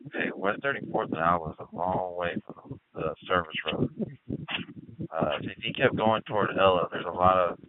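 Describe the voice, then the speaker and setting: A man's voice: deep voice, normal speed, no echo. A male police officer talking informally to other units over a two-way radio. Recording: tinny narrowband police radio scanner feed.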